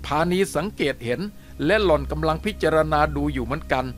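A man's voice: on the high side, brisk. A man steadily and expressively reading a novel aloud as a storyteller. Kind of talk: audiobook narration of a novel. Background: faint music.

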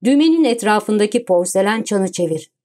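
A woman reading the lines of a suave, commanding gentleman thief in an audiobook, cool and self-assured. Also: medium pitch, expressive, moderate pace, close to an everyday voice. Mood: calm, commanding.

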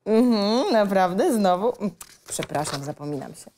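An actress as a mellow, teasing young woman. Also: mid-range voice, big pitch swings, measured pace. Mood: reproachful. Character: Alicja, a teasing, conflicted 25-year-old secret lover. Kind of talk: screenplay table reading as radio play.

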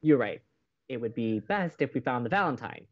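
A man playing an excitable, sweet young college radio co-host in an audio drama, eager and playful. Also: mid-range voice, moderate pace, dull audio. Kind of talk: naturalistic audio drama acting.

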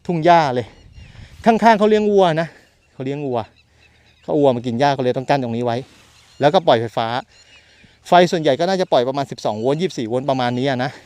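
A man's voice: mid-range voice, expressive, fast talker, long pauses, a little mellow, no room sound. A man selling land, walking outdoors through open rural fields and chatting loosely to a handheld camera as he keeps pointing things out. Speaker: land seller and property reviewer. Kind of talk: casual walking tour to camera. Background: birds and open countryside.

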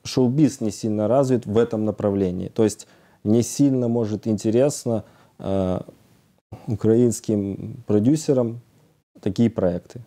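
A man in his thirties talks as a guest in a casual studio interview. His voice is low and very dark, soft-edged. He often pauses and searches for his words. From Odesa, Ukraine. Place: TV studio, indoors, seated.

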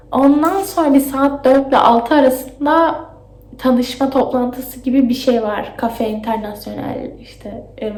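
A woman's voice: on the high side, mellow. A young woman in her twenties chatting casually as a vlogger, laughing often and talking half to herself, her voice echoing like a cave in a bare empty room. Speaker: exchange student vlogger. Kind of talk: casual vlog chat. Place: empty dorm room, indoors.

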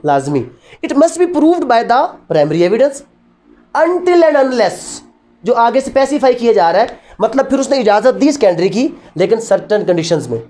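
A woman's voice: on the high side, very animated, measured pace, mellow. A woman with a Pakistani accent teaching a law class, posing questions and answering them herself, switching between Urdu and English terms. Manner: didactic, asks rhetorical questions and answers them; mixes Urdu with English legal phrases. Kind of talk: classroom lecture.

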